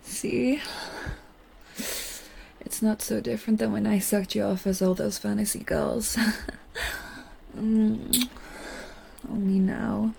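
Slow, gravelly-voiced woman whispering softly. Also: medium pitch, flat delivery, a little hiss or hum. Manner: soft, seductive, teasing whisper. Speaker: audio roleplay performer. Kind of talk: intimate whispered audio roleplay.

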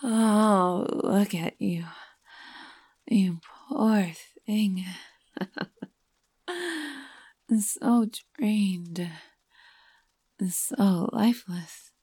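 A woman playing a predatory, seductive female creature that drains life, speaking in a breathy, whispered, domineering tone in an erotic audio roleplay. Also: mid-range voice, fairly even intonation, extremely slow, pauses often, mellow, heavily acted.

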